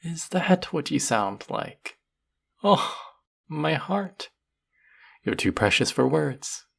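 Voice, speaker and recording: In a roleplay audio drama, a performer plays a gloating, sadistic sorcerer cooing over a captive pet in mock-sweet baby talk. The voice is breathy, gravelly, medium-pitched and a bit bright, very animated yet slow, and heavily acted.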